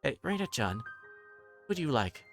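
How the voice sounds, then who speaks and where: A man's voice: medium pitch, very animated, moderate pace, fairly bright tone, faint music behind, voice pushed up. A man voicing a pushy, gushing woman customer who talks in a chatty, familiar way, in a visual novel.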